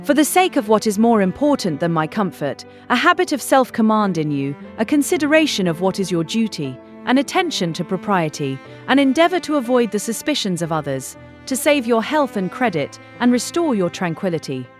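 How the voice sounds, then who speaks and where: A woman playing a confident, affectionate young gentlewoman in a classic novel audiobook, speaking earnestly and articulately. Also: mid-range voice, very animated, brisk, soft background music, voice pushed up, lightly acted. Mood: earnest, pressing. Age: young adult.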